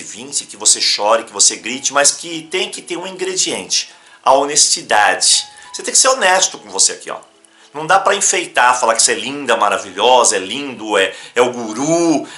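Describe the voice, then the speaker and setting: A man from Brazil teaching a self-help practice in an emphatic, instructional talk. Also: medium pitch. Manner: animated, emphatic, breaks into demonstrations.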